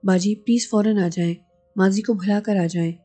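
A woman's voice: mid-range voice, fairly even intonation, normal speed, mellow, soft background music, close to an everyday voice. A woman voicing an anxious younger brother on a phone call, with pleading, earnest delivery.

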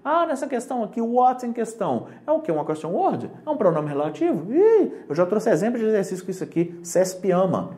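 Lively Brazilian man teaching English. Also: high-pitched. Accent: Brazilian Portuguese. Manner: casual, joking, keeps checking "entendeu?"; reads English examples slowly and translates. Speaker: English teacher for exam prep. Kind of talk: online lesson.

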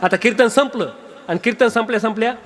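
A man's voice: high voice, fast talker, fairly bright tone, slight background noise. A male kirtan preacher giving a comic sermon, teasing and quizzing his audience at a live gathering.

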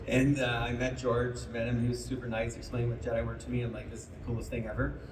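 A man's voice: mid-range voice, little pitch movement, quick pace. A man on a convention panel telling self-deprecating anecdotes into a handheld mic. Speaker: show creator on a panel. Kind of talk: casual anecdotes on stage. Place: large convention hall. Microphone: handheld mic, filmed from the audience over the PA. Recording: echoey hall from far off with noise.

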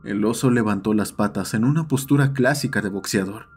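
A man's voice: lowish voice, fairly quick, slightly rough. A man narrating a scripted horror story as the host of the channel. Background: background music.

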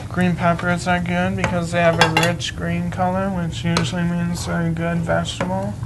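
Flat-voiced young man demonstrating cooking steps. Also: sits high, heavy background noise. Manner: plain, halting step-by-step explaining. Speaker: cooking show presenter. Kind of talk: kitchen demonstration. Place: TV studio kitchen set.

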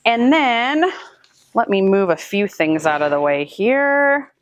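A flower farmer and channel host from Northwest Iowa chats upbeat while arranging flowers in an indoor room full of flower buckets. Her medium-pitched voice is animated but slow, with no echo, and she gives casual how-to narration as she handles the stems, picked up by a distant hands-free camera.

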